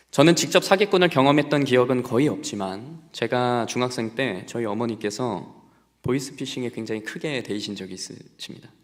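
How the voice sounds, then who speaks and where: A young adult man delivers a sermon at a middle pitch, telling a personal story in an easy, chatty way. He turns to the congregation with questions now and then. His voice rings out with the long reverb of a church sanctuary. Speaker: pastor.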